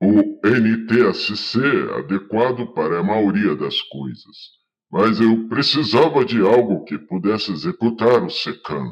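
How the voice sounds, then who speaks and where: A man uses a put-on character voice. He speaks at a medium pitch and a fairly slow pace. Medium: read story. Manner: friendly, enthusiastic.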